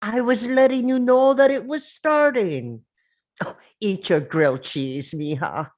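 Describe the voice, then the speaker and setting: A woman playing a stern, moralizing older Latina grandmother in a script table read, speaking solemnly and deliberately. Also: a little high, darkish tone, close to an everyday voice. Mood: mildly bossy.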